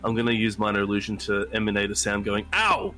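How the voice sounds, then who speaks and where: A man's voice: lowish voice, monotone, fast talker. A man chatting casually as a player in a tabletop role-playing game. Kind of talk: casual chat.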